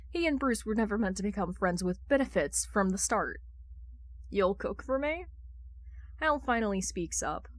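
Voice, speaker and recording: A woman's voice: mid-range voice, no echo. A woman reading fan fiction aloud as scripted audiobook-style narration. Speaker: podfic reader.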